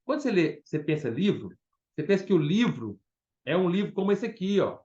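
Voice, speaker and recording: A man's voice: sits high, sing-song, fairly quick, a little mellow, muffled recording. A man preaching a Bible study in Brazilian Portuguese, emphatic, often questioning his listeners.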